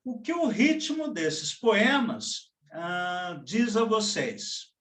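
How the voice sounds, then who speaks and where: A man teaching a poetry class online, explaining slowly and deliberately with frequent "né". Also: high-pitched, very animated, fairly bright tone. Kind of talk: online class lecture with poem readings. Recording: echoey room, mic far off.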